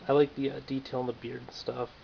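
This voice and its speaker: A man reviews a toy figure in a casual, offhand monologue with dry, self-mocking jokes. His voice is gravelly and sits in a middle pitch. The recording is dull and lo-fi, with a faint hiss underneath. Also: little pitch movement, fast.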